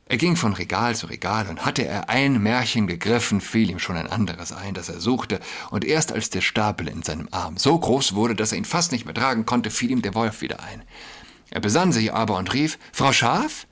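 Husky-voiced man reading a fable. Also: on the low side, moderate pace. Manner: expressive reading. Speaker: storyteller.

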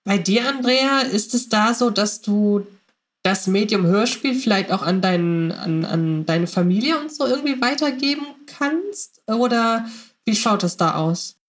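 A woman's voice: mid-range voice, lively intonation, unhurried. A woman hosting a podcast, asking questions in a casual, chatty style. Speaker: podcast host. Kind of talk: casual chat.

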